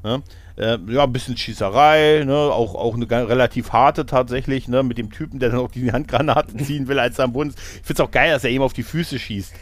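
A man's voice: mid-range voice, steady tone, fairly quick. A man hosting a casual film discussion, retelling scenes in a rambling way with frequent tag questions and laughs. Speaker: podcast host reviewing a film.

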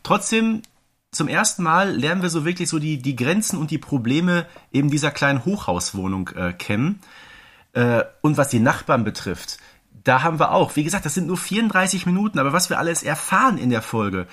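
A man's voice: fairly high pitch, very animated, a little fast, a bit bright, husky. A man co-hosting a podcast in casual, enthusiastic chat, telling things emphatically with plenty of rhetorical questions. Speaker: podcast co-host.

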